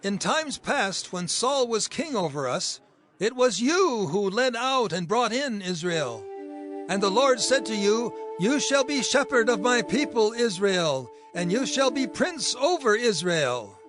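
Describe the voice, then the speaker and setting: An actor playing a reverent tribal elder of Israel pledging loyalty, with formal drawn-out proclamation in scripture drama. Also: male voice, high-pitched, sing-song, over music. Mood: reverent, earnest.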